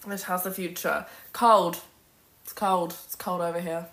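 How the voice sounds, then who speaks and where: On a livestream from a room at home with a bookshelf, a woman in her twenties answers comments in an emphatic, opinionated, sweary way. Her voice is fairly low and fairly bright, with even intonation and a measured pace, and her phone mic picks up a roomy echo.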